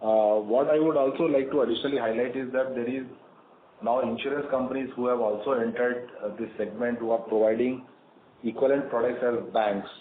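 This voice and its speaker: A man with an Indian accent answering investor questions on an earnings call as a company executive, in measured explanations. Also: medium pitch, fairly even intonation. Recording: phone-like conference line, echoey, clearly noisy.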